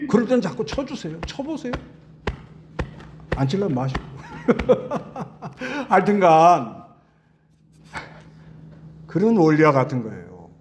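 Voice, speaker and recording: A man's voice: on the high side, a little mellow, slight background noise. A middle-aged male pastor giving a conversational sermon and putting questions to the congregation.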